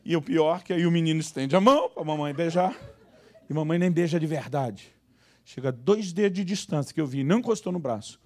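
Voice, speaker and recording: At a church service, a pastor delivers a humorous storytelling sermon with comic timing, speaking briskly to his congregation in a lively, playful way. His fairly high voice turns animated as he acts out quoted dialogue, leaping into other characters' lines with sudden high voices.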